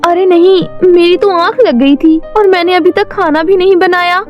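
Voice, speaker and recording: Meek cartoon stepdaughter, voiced by a woman, high, gentle, pleading. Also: fairly even intonation, normal speed, muffled recording, soft background music. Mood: earnest. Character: meek hardworking stepdaughter, young girl. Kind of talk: cartoon voice acting.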